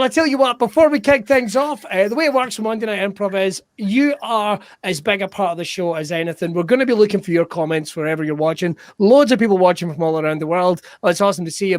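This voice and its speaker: A man's voice: high voice, no echo. A man hosting an improv comedy show with rambling, sweary banter.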